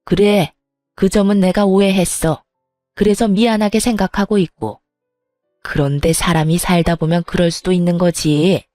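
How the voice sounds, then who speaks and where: A woman's voice: fairly low pitch, fairly even intonation, moderate pace, dark tone, no room sound, faint music behind, lightly acted. A woman voicing a scornful, defensive older mother-in-law. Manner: scornful, self-justifying.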